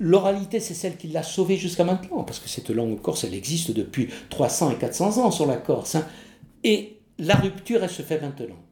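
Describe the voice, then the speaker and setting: A man talks at a high pitch with lively intonation and big swings in loudness. Noticeable background noise sits behind him. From Corsica. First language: Corsican (speaking French). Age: 70s. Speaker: Corsican language teacher. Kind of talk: testimony. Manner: halting.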